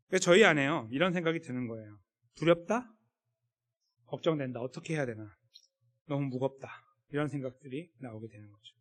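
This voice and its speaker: A man preaching a sermon as pastor, in a conversational way that acts out what people might say. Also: mid-range voice. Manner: conversational, acts out quoted voices. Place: church sanctuary. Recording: echoey church hall.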